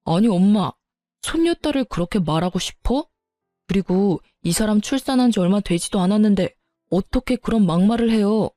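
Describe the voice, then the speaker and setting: A woman voicing a young husband who loudly takes his wife's side against his mother. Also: medium pitch, lively intonation, normal speed, dry recording, studio quality, soft background music, close to an everyday voice. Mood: indignant. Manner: loud, indignant, pleading with his mother. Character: hot-tempered young husband defending his wife. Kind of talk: audio drama story reading.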